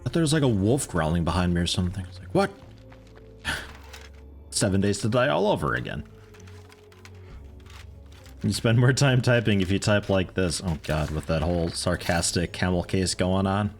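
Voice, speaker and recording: A man's voice: low voice, animated, normal speed, pauses often, soft background music. A man in his thirties giving rambling, casual commentary while livestreaming a game, swearing now and then. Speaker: gaming livestreamer.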